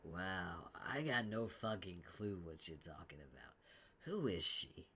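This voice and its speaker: A man voicing a laid-back, foul-mouthed young male troll clown with a mellow drawl. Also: sits low, sing-song, unhurried, slight background noise, full character voice. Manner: drawling, mellow, swears constantly.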